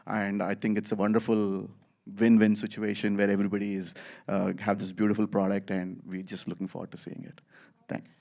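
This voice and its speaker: A man, a producer speaking on a press-event stage, talking haltingly with many fillers and restarts. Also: lowish voice, monotone, vocal fry, darkish tone. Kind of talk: press meet answer.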